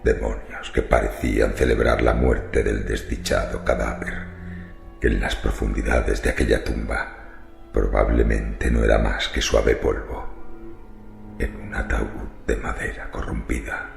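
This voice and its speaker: A man's voice: fairly even intonation, measured pace, exaggerated voice. A man playing a macabre, brooding cemetery wanderer who confides morbid secrets in a theatrical horror radio monologue. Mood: brooding, eerie. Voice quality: very deep, gravelly creaking voice. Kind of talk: dramatic first-person horror radio monologue. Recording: roomy reverberant voice over music. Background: faint music.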